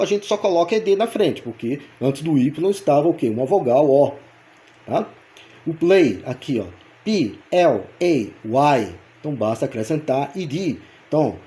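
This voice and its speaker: Man teaching grammar, mellow voice. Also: mid-range voice. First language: Portuguese. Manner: spells words letter by letter, frequent checking "tá?"; patient, repetitive explaining. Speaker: English teacher. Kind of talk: explaining grammar in a video lesson.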